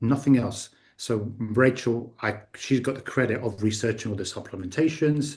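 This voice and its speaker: Somewhat breathy, a man talks at a moderate pace and a medium pitch, with ordinary pitch variation. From Spanish-speaking country. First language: Spanish. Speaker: entrepreneur living with brain cancer. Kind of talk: interview. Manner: halting.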